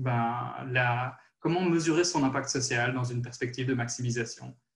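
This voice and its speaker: Somewhat breathy, a man with a Belgian accent speaks with fairly even intonation. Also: medium pitch for a man, moderate pace. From Belgium. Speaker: social impact strategist. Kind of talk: panel discussion.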